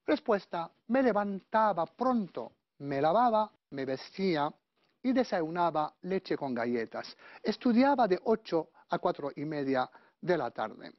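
Woman teaching Spanish grammar, lively pitch. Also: dry recording, dull audio. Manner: slow, deliberate conjugation drills, checking with "¿vale?". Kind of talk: grammar lesson.

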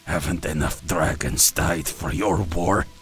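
A captive ice dragon snarling his defiance through clamped jaws, as a man reads him. The voice stays deep and slow. Faint music runs under the storybook reading. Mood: defiant. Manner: snarling, pained.

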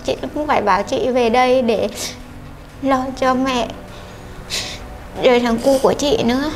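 A woman, a mother being interviewed, answers quietly with short, resigned replies. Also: high-pitched, fairly even intonation, measured pace, a little hiss or hum.

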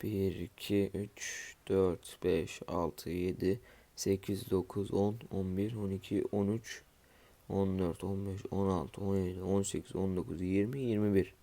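A groggy man, just woken up, streams a casual let's-play from his room at home, talking through the game in a low, gravelly, dark and mellow voice. He mutters to himself as he builds, tossing the odd aside to viewers, in a level tone and a little slowly.

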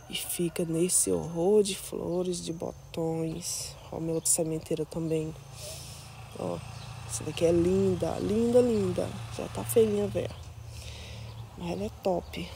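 Woman, casual garden vlog, chatty and doting, mellow tone, phone mic outdoors. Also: lowish voice, slight background noise. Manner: chatty and doting, coos over plants with diminutives. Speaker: plant vlogger. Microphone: phone held while filming.

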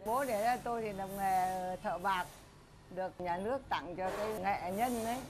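An elderly woman with a Bac Ninh countryside accent, telling stories of her craft family in a plain, unhurried interview manner. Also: mid-range voice. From Dai Bai village, Bac Ninh, northern Vietnam. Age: older. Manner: plain storytelling, recites an old saying. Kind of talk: casual interview. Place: her home on a busy shopping street. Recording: noisy street background.

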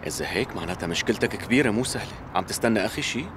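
A man's voice: lowish voice, lively intonation, rapid-fire, background noise, lightly acted. A man with a Syrian accent voicing a joking, reassuring young male friend in a dubbed TV drama. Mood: teasing. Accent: Syrian Arabic. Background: music score.

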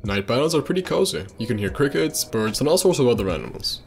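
A man's voice: medium pitch, big pitch swings, fast talker, gravelly, soft background music. A man reading scripted narration for a video game trivia video.

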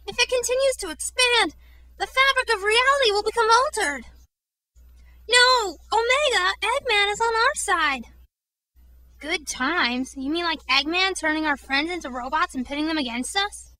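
A woman's voice: very high voice, lively intonation, moderate pace, bright, forceful tone, no echo, heavily acted. A woman voicing an earnest, brainy, plucky little boy fox in a boyish manner, as a video game character audition. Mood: excited, technical, then concerned.

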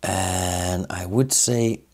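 A man in his thirties from Belgium with a Belgian accent, reviewing a beer in a small indoor studio, thoughtful and unhurried with many fillers. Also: low voice, fairly even intonation, a little mellow. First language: Dutch.

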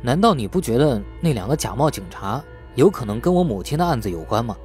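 A man plays a wily young male suspect in an audiobook. He is argumentative and slippery, feigning innocence with animated swings of pitch, over faint music. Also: quick pace, close to an everyday voice. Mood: reasoning. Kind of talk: audiobook character dialogue.

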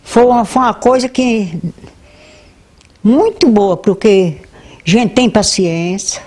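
A 95-year-old Brazilian woman reminiscing casually in an interview at home, halting and repeating herself, on a handheld microphone. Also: medium pitch, expressive, a little mellow. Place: at home, seated in a chair.

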